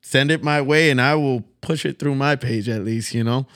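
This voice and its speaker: An American man interviews a guest as a podcast host. His talk is casual and supportive, with an informal feel. His voice is mid-pitched and recorded dry, with little room sound. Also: moderate pace, a bit bright, smooth, dry recording.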